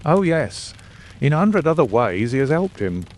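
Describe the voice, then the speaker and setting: A man's voice: fairly high pitch, very animated, normal speed, darkish tone, voice pushed up. A man voicing a stubborn, practical male police inspector in a storybook, emphatic and matter-of-fact. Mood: grave, informative. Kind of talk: storybook character dialogue.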